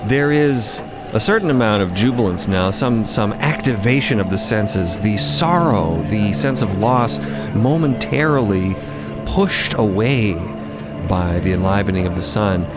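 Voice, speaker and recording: A man narrating scripted audio fiction dramatically, in a deliberate, suspenseful manner. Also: fairly low pitch, expressive, loud music behind the voice. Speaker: narrator and co-host.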